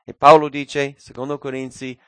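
Male preacher, mid pitch, dramatic sermon delivery with loud peaks and hushed drops, dry close mic. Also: level tone, moderate pace, smooth, dry recording. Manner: dramatic swings between loud cries and hushed low phrases.

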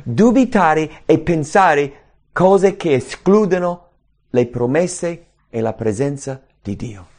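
A man preaches a sermon in a fairly high voice. He speaks in an animated way and slips into the anxious inner voices he describes.

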